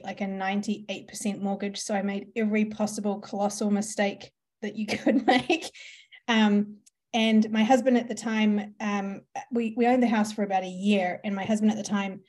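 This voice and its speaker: At a moderate pace and with fairly even intonation, a New Zealand-accented woman with a slightly mellow mid-range voice relates her business story. She's a marketing entrepreneur guesting on a podcast, chatty with lots of ums and laughter.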